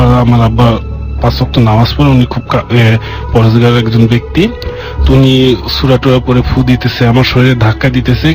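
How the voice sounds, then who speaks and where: Earnest male radio caller. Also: medium pitch. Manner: earnest, halting storytelling with restarts. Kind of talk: telling a personal ghost story on phone-in radio. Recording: radio broadcast with faint music.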